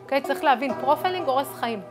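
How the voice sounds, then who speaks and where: A woman's voice: sits high, expressive. Earnest woman arguing over music. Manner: earnest, argumentative, with fillers. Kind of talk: interview talk. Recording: music bed underneath.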